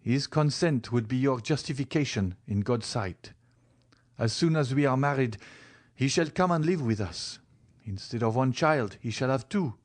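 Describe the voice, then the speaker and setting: A man's voice: mid-range voice, expressive, moderate pace, pitched above the performer's own voice, lightly acted. A man voicing an ardent young lover who speaks earnestly and fervently in an audiobook reading.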